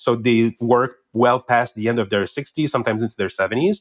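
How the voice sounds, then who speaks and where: Against a quiet background, a man with a plain, everyday voice speaks at a moderate pace and medium pitch with ordinary pitch variation. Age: 50s. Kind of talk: interview conversation.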